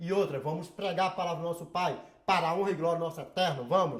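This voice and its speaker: This man's high voice is animated and very fast. The room echo is audible. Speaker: preacher. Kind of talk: sermon.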